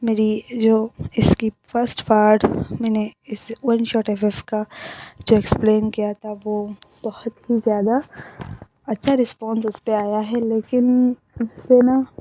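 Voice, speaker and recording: Female host-narrator, casual storytelling, warm low-key tone, chatty asides, slight cough, home mic. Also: level tone, a little slow, a little hiss or hum, rough recording. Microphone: home voice recording.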